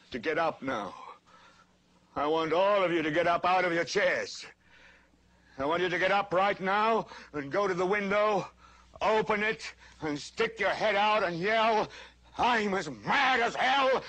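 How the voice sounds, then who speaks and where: A man playing an older TV news anchor who rants on air, impassioned and building to shouts. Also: high voice, measured pace, long pauses. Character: furious older male TV anchor, fed up. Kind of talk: film drama acting.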